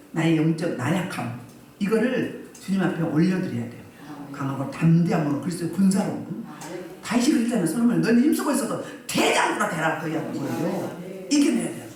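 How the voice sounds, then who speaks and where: A woman's voice: on the low side, a little mellow, slight background noise. A middle-aged woman pastor preaching a sermon with emphasis, repeating phrases and asking the congregation questions. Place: church hall. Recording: echoey hall, mic at a distance.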